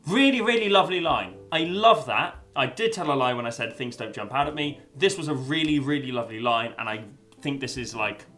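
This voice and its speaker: A man's voice: mid-range voice, expressive, a little fast, bright, forceful tone, soft background music. A young man giving a casual spoken review, rambling with lots of fillers and restarts, and swearing now and then. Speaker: video essayist reviewing a story.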